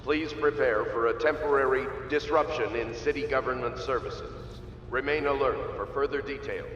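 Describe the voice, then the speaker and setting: An actor playing an official announcer reading formal public notices. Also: male voice, mid-range voice, fairly even intonation, normal speed, echoey room, big-room sound, highs cut off, background noise, natural voice. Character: male public announcer over loudspeakers.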